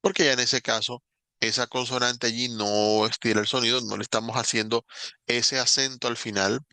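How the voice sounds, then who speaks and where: A man walks through grammar rules in a recorded lesson. His voice is gravelly and bright, with a dry, close sound. He explains patiently and slows down to spell out examples. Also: mid-range voice, steady tone, no echo. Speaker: English teacher.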